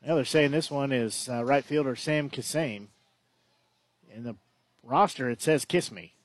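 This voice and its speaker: A man's voice: medium pitch, unhurried, no echo. A man calling a baseball game play by play, chatty and often correcting himself. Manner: conversational, self-correcting. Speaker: play-by-play announcer. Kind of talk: baseball commentary.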